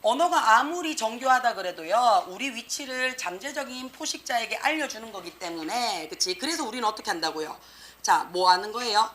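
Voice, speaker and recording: A woman English teacher giving an exam prep lecture, lively and slangy, peppering students with rhetorical questions. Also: a little high, fairly quick. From South Korea.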